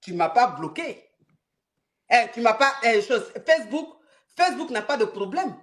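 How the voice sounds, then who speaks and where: A woman's voice: fairly high pitch, very animated, unhurried. A woman voicing an angry, betrayed wife who accuses her husband over and over. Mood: accusing. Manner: accusing, insistent.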